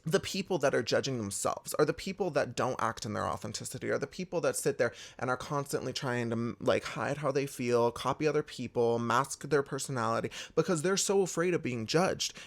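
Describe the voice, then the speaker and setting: Animated young man with a gravelly voice. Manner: emphatic and expressive, swears freely, big swoops in pitch; candid and confiding. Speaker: vlogger giving a pep talk. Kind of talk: candid motivational monologue.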